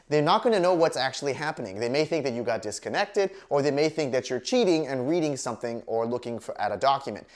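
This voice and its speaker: A woman presenting scripted career advice to camera, explaining point by point with clear emphasis. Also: low voice, a little mellow. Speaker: career advice host, recruiter. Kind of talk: scripted instructional video talk to camera.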